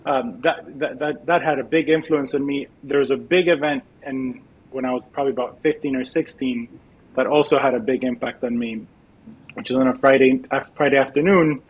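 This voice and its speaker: A man's voice: medium pitch, fairly even intonation, a little fast, husky, rough recording. A middle-aged man from El Salvador, a podcast guest telling his life story in a reflective way, with many restarts. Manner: reflective, frequent restarts and fillers. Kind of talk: podcast interview.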